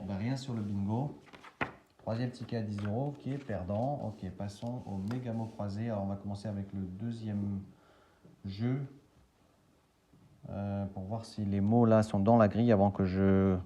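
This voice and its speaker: A man's voice: lowish voice, mellow, dull audio, slight background noise. A man casually thinking aloud and spelling out letters as he scratches lottery tickets for a video.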